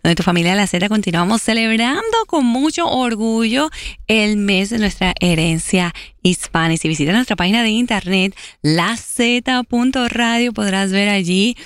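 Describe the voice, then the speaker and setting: A woman's voice: mid-range voice, no echo, studio quality. Chatty woman radio host, Puerto Rican accent. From Venezuela. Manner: chatty, proud and upbeat. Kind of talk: casual radio talk and weather report.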